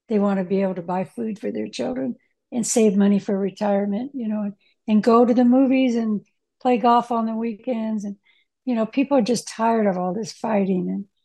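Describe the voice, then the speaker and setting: Over a quiet background, a woman talks at a fairly quick pace with a fairly high pitch. Her tone is dark and mellow, with ordinary pitch variation. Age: 70s. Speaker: former convict turned activist. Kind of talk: casual interview.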